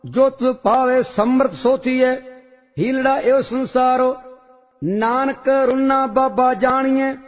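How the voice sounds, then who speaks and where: Very high-voiced man chanting hymns slowly. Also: steady tone. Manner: measured, sing-song intoning. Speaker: scripture reciter. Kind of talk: slow chanted recitation of hymns. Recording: long reverb, dull lo-fi sound, faint music.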